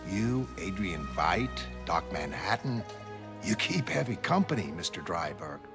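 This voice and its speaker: A motion comic voice actor plays a cynical cop with dry, street-smart needling, his deep voice pushed down and heavily acted. He speaks a little slowly with big swings in pitch, music running beneath.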